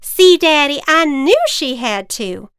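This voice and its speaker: A woman's voice: high voice, sing-song, slow pace, fairly bright tone, no echo, clean studio sound, pitched above the performer's own voice, heavily acted. A woman voicing a hopeful, eager little farm boy in a children's storybook. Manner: hopeful, pleading.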